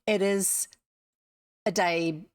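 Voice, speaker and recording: A woman's voice: lowish voice, fairly even intonation, extremely slow, clear, resonant tone, no room sound, studio quality. A woman with a New Zealand accent chatting casually and in a rambling way to viewers as a livestream host. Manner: chatty, rambling, self-interrupting asides. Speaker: livestream host who reads old books aloud.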